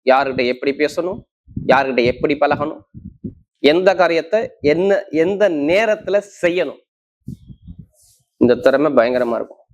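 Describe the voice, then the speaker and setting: A man's voice: fairly high pitch, expressive, a little slow, pauses often, lo-fi sound. A man presenting horoscope forecasts as an astrologer, talking emphatically in short, repeated, list-like bursts. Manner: emphatic, repetitive, listing points in short bursts. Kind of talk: monthly horoscope talk to camera.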